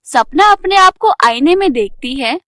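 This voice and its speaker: A woman's voice: high-pitched, lively intonation, a little slow, sharp tone, no room sound. A woman narrating a scripted children's fairy tale as the storyteller.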